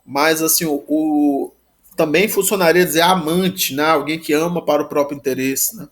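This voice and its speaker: Halting man teaching Greek verbs. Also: on the high side, fairly even intonation. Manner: constant "né?" tag, halting restarts. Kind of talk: live online grammar lesson.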